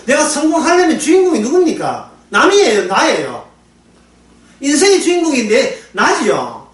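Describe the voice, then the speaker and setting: Lively male pastor, casual lecture-sermon delivery, recorded off-mic in a roomy space. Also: extremely high pitch. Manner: lively, conversational, laughing often, acting out prayers. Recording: echoey room, voice from far off the mic.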